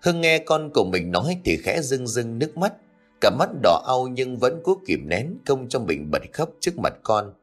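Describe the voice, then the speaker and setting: A man narrating a scripted ghost story in a steady storytelling read. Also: mid-range voice, moderate pace, faint music behind.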